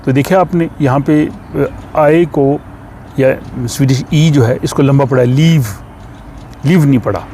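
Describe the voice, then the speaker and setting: Slow-teaching man, traffic hum behind. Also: mid-range voice, warm tone. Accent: Urdu-speaking. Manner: slow, explaining with many fillers. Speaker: language teacher. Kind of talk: explaining a lesson.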